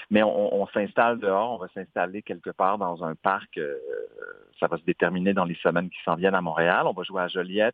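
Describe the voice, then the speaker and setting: Speaking at a moderate pace, a man with a fairly low pitch keeps his intonation fairly even while his loudness swings a lot. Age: 50s. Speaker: actor and social entrepreneur. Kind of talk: radio interview. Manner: halting.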